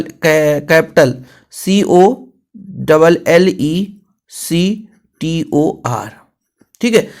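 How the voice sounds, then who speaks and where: Male coaching teacher, slightly high voice, instructive delivery with repeated phrases and frequent check-ins. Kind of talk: classroom lesson explanation, Hindi mixed with English terms.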